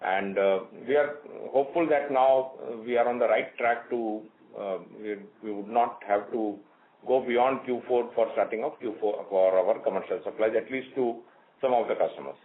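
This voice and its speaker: A man, a company executive answering questions on an earnings call, speaking in measured sentences with frequent pauses. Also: mid-range voice. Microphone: phone line. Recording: tinny phone line, faint hiss.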